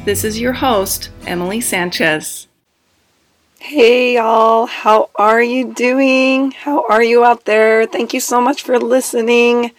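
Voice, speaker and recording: A woman's voice: fairly high pitch, fairly even intonation, slow pace, faint music behind. A woman who has lost her voice, hosting a solo advice podcast as a divorce coach, chatty and direct and laughing between her points.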